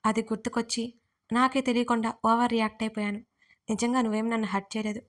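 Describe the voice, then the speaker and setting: A woman voicing a gentle young man who pleads softly, read in an audio story. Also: a little high, little pitch movement, fast talker, lightly acted. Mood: pleading. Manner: soft, pleading.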